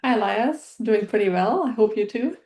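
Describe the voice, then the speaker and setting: A woman's voice: mid-range voice, lively intonation, normal speed, a little mellow. A woman from Germany, an analytics engineer, answering interview questions over a video call in a friendly, methodical way. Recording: echoey room on a video call.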